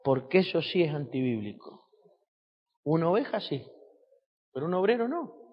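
Male pastor, high voice, sermon with rhetorical questions, muffled recording in an echoey church hall. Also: sing-song, moderate pace, slight background noise. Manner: preaching with rhetorical questions to the congregation.

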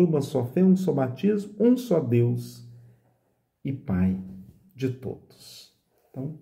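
Middle-aged male priest, dark gravelly voice, unhurried scripture reading, lively pitch, close phone mic in a small room. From Brazil. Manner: slow, reflective, asks "né?" often. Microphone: phone camera at close range.

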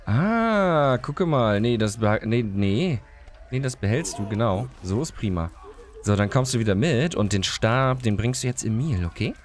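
A man's voice: mid-range voice, expressive, moderate pace. A man with a cold, chatting casually while playing a game and talking to the characters on screen. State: has a cold, coughing. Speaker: let's play host. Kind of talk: casual gameplay commentary.

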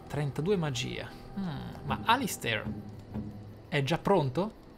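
A man commentating his game playthrough, thinking aloud in a deliberate, theatrical way with dramatic pauses. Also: a little high, very animated, vocal fry. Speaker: gaming YouTuber, player. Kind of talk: game playthrough commentary with role-play musing. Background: game music.

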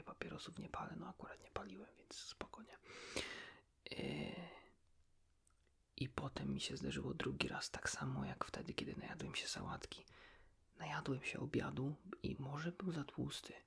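A man speaking in a hushed, breathy whisper, chatting casually and confidingly as if to a friend in an ASMR style. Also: on the high side. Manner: colloquial, rambling, ends phrases with a tag question. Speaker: ASMR creator talking to the listener as a friend.

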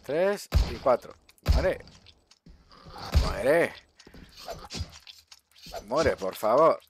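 A man's voice: medium pitch, very animated, drawn-out words, noisy background. A man with a Spain Spanish accent giving casual gameplay commentary, swearing often and talking to viewers. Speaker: gaming streamer.

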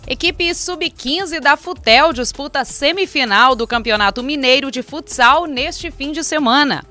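Bright young woman reading city news. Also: high voice, measured pace, faint music behind. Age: young adult. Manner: reads from paper with chatty asides. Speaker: news presenter. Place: small radio studio with foam walls. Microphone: studio mic on desk.

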